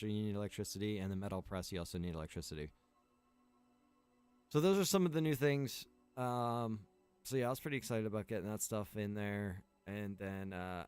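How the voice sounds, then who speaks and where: A man's voice: lowish voice, darkish tone, clear, resonant tone. A man who runs and develops a game server, chatting casually on a livestream, rambling with lots of fillers and listing features one by one.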